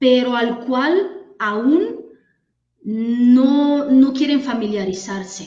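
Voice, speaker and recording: A woman's high-pitched voice with a dark, mellow tone, in an Italian accent, with audible room echo. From Italy, Tuscany (Massa). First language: Italian (speaking Spanish). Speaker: author. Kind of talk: panel talk at book fair, livestream. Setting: virtual livestream.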